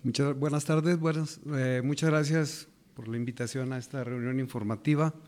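A man, an athlete giving a formal, courteous and halting thank-you speech at a press conference. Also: medium pitch, steady tone, a little mellow.

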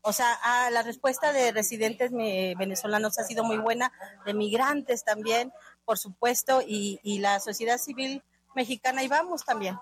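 Woman talking off the cuff in an interview, lots of ums, voice a bit high. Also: moderate pace, husky. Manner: hesitant, with many fillers. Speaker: spokesperson interviewed. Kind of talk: casual interview speech.

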